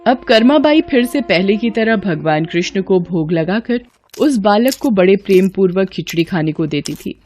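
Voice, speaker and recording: Woman reading a devotional story, calm and even, middle pitch. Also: normal speed. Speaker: storyteller voicing the women. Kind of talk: scripted devotional story narration.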